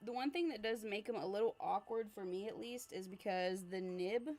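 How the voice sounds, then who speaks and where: A young woman livestreaming as an art creator, chatting casually and answering viewer comments while she sketches, with a relaxed, rambling manner. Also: medium pitch, normal speed, soft background music. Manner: frequent fillers and laughs, relaxed.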